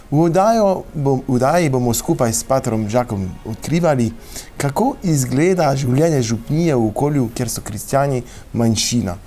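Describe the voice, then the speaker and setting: Male TV host, mellow tone, hesitant interviewer, faint music in the background. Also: medium pitch, expressive, normal speed. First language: Slovenian. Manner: hesitant, many fillers in French. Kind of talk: scripted introduction then interview.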